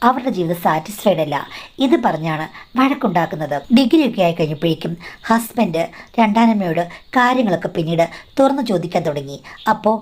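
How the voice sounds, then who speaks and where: A woman's voice: fairly low pitch, animated, fairly quick, darkish tone. A woman narrating a scripted first-person story in a confiding way, addressing the listener as madam.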